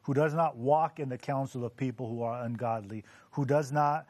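A man on a Bible discussion panel, speaking thoughtfully and reading scripture aloud at a measured pace. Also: medium pitch, fairly even intonation, a little mellow, no echo.

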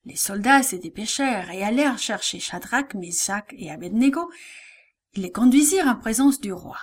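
A woman narrating a children's Bible story in an expressive, deliberate reading. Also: a little high, husky.

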